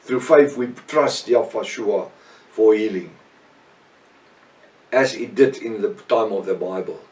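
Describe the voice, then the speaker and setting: A middle-aged man, a native Afrikaans speaker with a South African accent, preaches a Bible lesson off the cuff in short, halting, emphatic phrases with repetition. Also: lowish voice, darkish tone. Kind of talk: extemporaneous Bible teaching sermon. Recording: echoey room, distant microphone.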